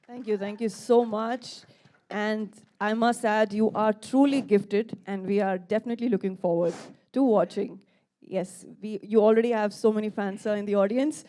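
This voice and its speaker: A woman's voice: medium pitch, steady tone, moderate pace, mellow. A woman hosting a press event on stage, compering formally and effusively and addressing guests politely. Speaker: event host.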